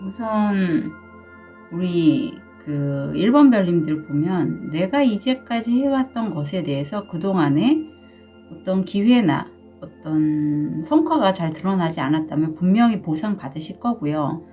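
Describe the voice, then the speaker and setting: A middle-aged woman with a cold-roughened voice, chatting casually through a tarot reading with small laughs and fillers. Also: lowish voice, animated, a little slow, dark tone, soft background music. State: sore throat from a cold. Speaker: tarot reader.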